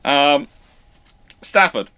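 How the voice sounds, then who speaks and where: A man hosting a live question-and-answer session, answering off the cuff in a halting way, often restarting his sentences as he thinks aloud. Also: a little high, lively intonation, bright, forceful tone, smooth. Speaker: host of naval history live Q&A.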